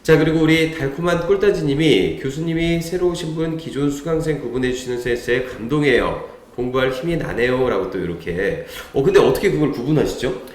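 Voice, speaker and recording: A man with a lively, swinging voice chats his way through viewer comments as a stream host. His talk is loose and friendly, full of small fillers. The sound carries a noticeable room echo. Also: medium pitch, a little fast, hardly any pauses, a little hiss or hum. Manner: lively, chatty, frequent laughs and fillers. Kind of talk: live-stream chat. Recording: echoey room.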